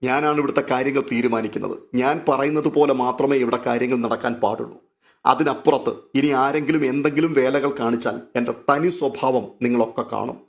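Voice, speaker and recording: A man's voice: mid-range voice, brisk, gravelly, close to an everyday voice. A man voicing a stern, commanding older father who heads the household. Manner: commanding, interrogating.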